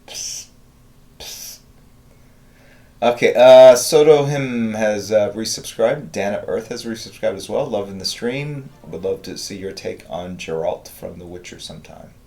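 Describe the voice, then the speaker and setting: A man's voice: on the low side, measured pace, dark tone, echoey room, slight background noise. A man in his fifties hosting a live drawing stream, chatting casually with viewers and rambling through answers with many fillers. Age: 50s. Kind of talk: casual chat reading viewer messages.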